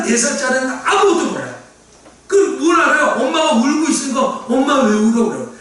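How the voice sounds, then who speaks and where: A male pastor preaching a sermon with emphasis, repeating key phrases and at times shouting. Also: very high-pitched. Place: church sanctuary. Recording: echoey church hall from far off, faint ambience.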